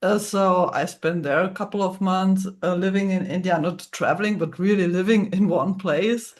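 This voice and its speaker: A woman's voice: lowish voice, moderate pace, darkish tone. A woman from the Czech Republic hosting a casual interview, speaking with frequent "uh"s and agreeing "yeah"s. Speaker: host.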